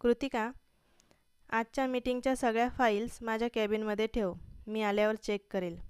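A woman reading as a stern young husband, curt and commanding, clear bright tone, dry sound. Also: on the high side, flat delivery, moderate pace, no room sound, natural voice. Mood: businesslike.

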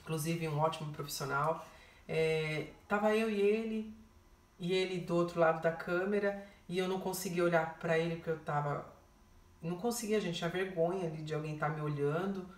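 A woman's voice: on the low side, normal speed, roomy sound, far from the mic. A woman telling a heartfelt personal story to her viewers, often repeating herself and calling out to them directly. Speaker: vlogger. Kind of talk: emotional personal testimony.

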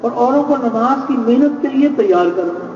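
A man preaching a sermon, measured and exhorting, repeating key phrases. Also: extremely high pitch, expressive. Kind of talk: religious sermon. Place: large gathering space. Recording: echoey, distant, dull lo-fi with faint noise.

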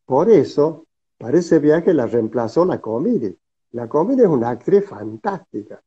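Husky elderly Cordoba Argentine man. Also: a little high, sing-song, normal speed, mellow. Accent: Cordoba Argentine Spanish. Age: 70s. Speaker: interview guest, theatre director. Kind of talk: casual storytelling conversation. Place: indoor room, video call. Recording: slightly muffled video-call audio.

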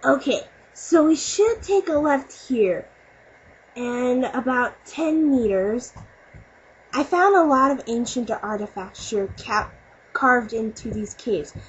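Woman as a cartoon fox kid, boyish eager inventor, high voice, earnest and plucky, dull lo-fi home recording. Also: animated, slow pace. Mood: explaining. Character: young boy fox, eager clever inventor adventurer. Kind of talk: amateur cartoon character demo reading. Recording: muffled home recording with faint noise.

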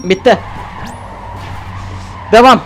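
A man streaming a game live, excitable and talkative, yelping and shouting at the action while chatting to viewers. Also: high voice, drawn-out words, faint music behind. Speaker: gaming streamer.

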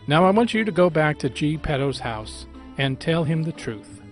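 Man playing an odd, moralizing, higher-pitched preacher. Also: animated, normal speed, soft background music, natural voice. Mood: kindly admonishing. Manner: admonishing, moralizing. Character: hairy odd preacher, kindly scolding a child. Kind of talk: audio drama sketch.

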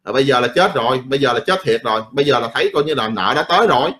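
A man's voice: medium pitch, lively intonation, racing, fairly bright tone. A middle-aged man who rants about politics in a casual, blunt and profane way, rambling and repeating himself. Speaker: political commentator.

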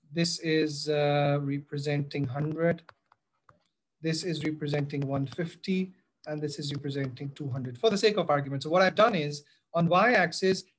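A man with a South Asian accent giving an instructive tutorial as a teacher, speaking directly to pupils and switching between languages. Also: on the high side. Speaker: biology teacher. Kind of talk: tutorial explanation, switching between English and Hindi-Urdu. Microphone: screen-recorded voice-over.

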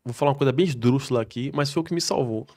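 A man's voice: medium pitch, racing, warm tone. A man, a podcast guest who works as a police soldier, telling an emotional personal story in an emphatic way, swearing freely and acting out the people he quotes.

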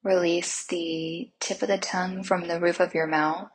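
A woman leading a Christian guided meditation in a soft, breathy voice, soothing and unhurried, with gentle instructions and long pauses. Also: fairly low pitch, little pitch movement, a little hiss or hum, low-quality recording.

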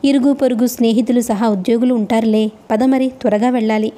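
A woman's voice: on the high side, fairly even intonation, fairly quick, warm tone, natural voice. A woman voicing an earnest grieving father. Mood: urging. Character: grieving middle-aged brother and father, steadying others.

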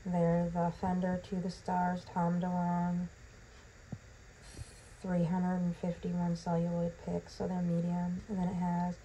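A woman's voice: on the low side, completely flat delivery, slow pace, background noise. A woman casually narrating a home unboxing in a bathroom, rambling with lots of ums, her voice still recovering from being lost. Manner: chatty, rambling with many ums. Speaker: vlogger.

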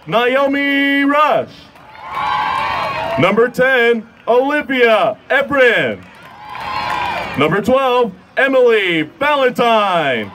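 A man in his twenties announcing formally and with measured delivery as a sports PA announcer, into a handheld microphone. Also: extremely high pitch. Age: 20s. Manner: formal, measured, drawn-out names. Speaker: public address announcer. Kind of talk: stadium PA announcing, scripted intros. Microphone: handheld microphone held close. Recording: outdoor crowd and ambient noise behind.

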